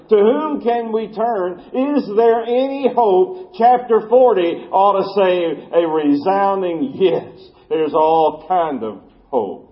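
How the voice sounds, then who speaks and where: Male pastor, high voice, chatty sermon delivery, muffled lo-fi recording. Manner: folksy, conversational preaching with asides.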